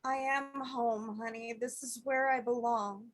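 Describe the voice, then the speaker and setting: A woman playing a dying, motherly figure in a script read, tender and resolute, speaking deliberately and insistently. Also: fairly high pitch, steady tone, close to an everyday voice. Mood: tender resignation. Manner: slow, deliberate, gently insistent. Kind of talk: table read acting of a horror film script.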